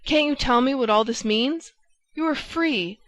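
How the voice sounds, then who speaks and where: A woman's voice: mid-range voice, fairly even intonation, moderate pace, fairly bright tone, dry recording, close to an everyday voice. A woman reading the lines of a jealous young man, with impassioned, sarcastic outbursts. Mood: pleading.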